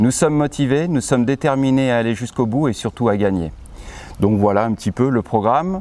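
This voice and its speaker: An ordinary speaking voice from a man, medium in pitch, with lively intonation, very even loudness and a fairly quick pace. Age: 40s. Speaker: YouTuber and election candidate. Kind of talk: casual chat.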